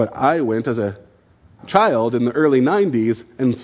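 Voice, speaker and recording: In an American accent, a man uses an ordinary speaking voice at a medium pitch with ordinary pitch variation. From US Pacific Northwest (Washington). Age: 30s. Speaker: pastor. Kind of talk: sermon.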